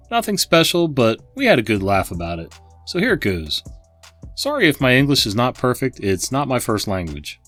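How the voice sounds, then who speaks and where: A man hosting a channel, reading online stories aloud with chatty asides to his viewers. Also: mid-range voice. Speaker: host and narrator.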